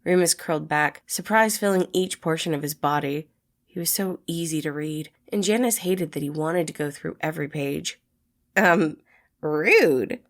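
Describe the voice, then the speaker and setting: A woman narrates a piece of written fiction. Her voice sits a little low, and she delivers the prose as a scripted storybook reading. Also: normal speed. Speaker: podfic narrator.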